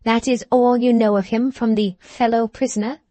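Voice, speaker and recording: A woman's voice: on the high side, little pitch movement, dark tone, dry recording, lightly acted. A woman voicing a stern, cold old mother. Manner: stern, unyielding, measured. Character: stern, cold older mother, a widow in a wheelchair.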